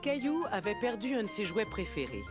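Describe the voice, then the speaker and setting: A woman narrating a children's cartoon as a gentle, expressive storyteller, reading scripted lines. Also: mid-range voice, fairly quick, lightly acted. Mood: gentle storytelling. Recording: loud music behind the voice.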